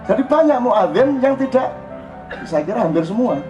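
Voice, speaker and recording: An older man with a Javanese accent giving an informal religious talk, jokey and animated. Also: very high voice, normal speed. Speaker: religious speaker. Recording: dull lo-fi recording with faint music.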